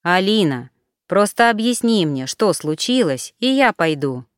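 A tired young man, as a woman reader puts him on, presses for answers in a low-key, insistent way. The tone stays smooth and close, with a dry, clean sound. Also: sing-song, measured pace, dry recording. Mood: weary. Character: weary bewildered young man, trying to stay calm.

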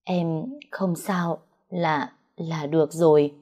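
A devoted young man gives urgent commands to protect the woman he loves, as a woman narrator reads him. The voice stays low and mellow. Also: normal speed, close to an everyday voice.

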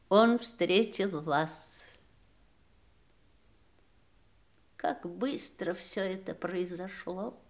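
Actress as a bitter, anguished wife, slow delivery. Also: female voice, mid-range voice, close to an everyday voice. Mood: wistful. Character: bitter, wounded ageing wife of a dying famous man. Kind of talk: theatrical Russian radio drama acting.

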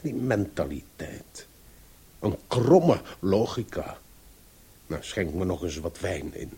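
An actor playing an opinionated, philosophizing elderly uncle who lectures pompously in a Dutch radio play. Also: male voice, sits low, sing-song, slow pace, dark tone, husky, exaggerated voice. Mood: smug. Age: older. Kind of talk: Dutch radio drama acting.

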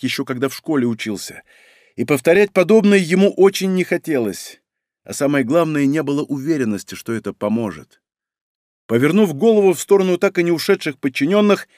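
A man narrating an action audiobook in a steady storytelling manner, with coarse slang mixed in. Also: a little high, dry recording, studio quality.

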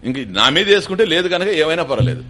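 Lively, bright-toned older man teaching. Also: fairly high pitch, fast. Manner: explanatory, asks the audience questions, mixes in English terms. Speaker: spiritual teacher. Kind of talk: Vedanta discourse to an audience.

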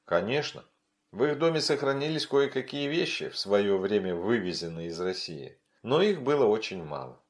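A male audiobook narrator with a lowish voice. His reading swings widely in pitch, lively and expressive, carrying the story along in a steady, engaged telling.

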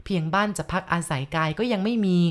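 A woman narrating a ghost story with a steady, measured reading. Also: medium pitch.

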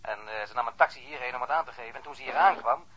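An actor playing a wry, talkative foreign police officer in a radio drama. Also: male voice, mid-range voice, very fast, sharp tone, dull audio, lightly acted.

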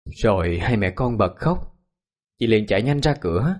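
A man narrating a ghost story in a measured, hushed way. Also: lowish voice, animated.

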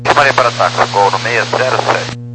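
A man's voice: mid-range voice, fairly quick. A man speaking as an airline pilot over a two-way aviation radio, giving terse, procedural callouts in clipped radio phraseology. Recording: noisy radio transmission with hum.

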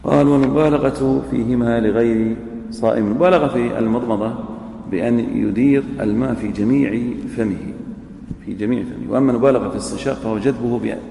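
A man teaches a class in a large hall with a long, ringing echo and faint room noise behind him. His voice is gravelly and dark. He reads a line from a text, says it again, then puts questions to his students. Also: mid-range voice, fast. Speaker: teacher of Islamic jurisprudence. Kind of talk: classroom lecture on a legal text. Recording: echoey hall recording with faint ambience.

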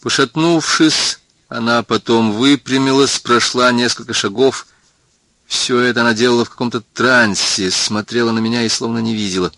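A man reading a novel aloud as an audiobook narrator, telling the story in a measured, even way. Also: medium pitch, no room sound.

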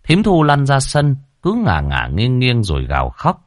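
Expressive male ghost-story narrator. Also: mid-range voice, normal speed, no echo, studio quality. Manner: expressive, dramatic reading.

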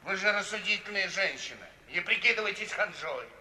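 Pushy cynical rich gent, middle-aged, high sharp voice, old echoey radio play. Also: male voice, expressive, fairly quick, full character voice. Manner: blustering, pushy. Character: coarse, cynical rich baronet in his late forties. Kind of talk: 1950s Soviet radio play acting. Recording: distant, reverberant 1950s recording with hiss.

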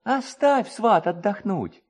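A man's voice: high voice, expressive, slow pace, pitched above the performer's own voice, heavily acted. A man voicing a superstitious, talkative village distiller in a storybook reading, anxious and pleading in manner. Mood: placating.

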